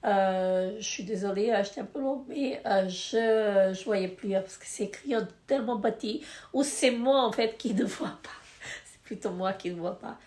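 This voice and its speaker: A woman's voice: mid-range voice, moderate pace, dark tone. A woman with a stuffy, congested nose, reviewing beauty products in a casual, hesitant way full of fillers. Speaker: beauty vlogger. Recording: echoey room.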